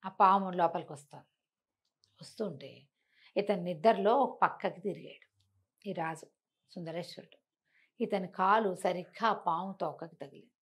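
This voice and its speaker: A woman telling a folk tale in a conversational, expressive storyteller's way, repeating phrases for emphasis. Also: fairly low pitch, moderate pace, long pauses, husky.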